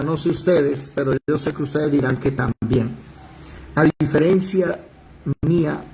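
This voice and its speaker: A man teaching a live Bible study, explaining verses in a lively way and stopping the reader to comment. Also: a little high, slight background noise, rough recording.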